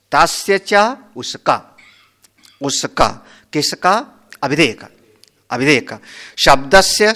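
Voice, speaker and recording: A man's voice: mid-range voice, sharp tone. A man, a Hindu swami, giving a scriptural discourse, explaining a Sanskrit verse word by word and asking and answering his own questions.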